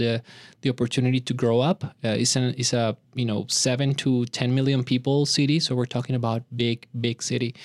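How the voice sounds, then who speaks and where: A man's voice: medium pitch, no echo. Thoughtful Colombian-born man, dry sound. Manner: thoughtful, halting with many fillers. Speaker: guest, orchestra director. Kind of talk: radio interview.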